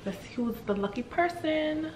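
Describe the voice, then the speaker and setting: A young woman from the Bahamas, chatting with strangers in a casual, bubbly, flattering way. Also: high-pitched, normal speed. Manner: bubbly, flattering, laughs often. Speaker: vlogger. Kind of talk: casual video chat with strangers. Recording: echoey room, faint noise.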